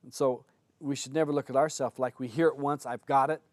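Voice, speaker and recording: A man's voice: medium pitch, fairly even intonation, fairly quick, a little mellow, no echo. An older man teaching a spiritual seminar in a conversational way, telling stories and acting out quoted lines. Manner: conversational, anecdotal, with acted-out quotes. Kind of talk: seminar talk.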